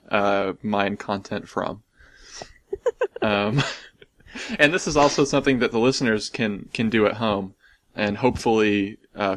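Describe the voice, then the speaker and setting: A man's voice: lowish voice, fairly bright tone, no room sound. An American man hosting a casual podcast, rambling and self-deprecating, laughing often. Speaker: podcast host.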